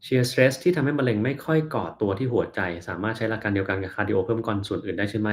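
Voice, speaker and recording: A man with a fairly low voice hosts a casual livestream, answering viewers' questions one after another. He talks in an unhurried, easygoing way, softening his answers with polite little particles. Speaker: doctor hosting a livestream Q&A.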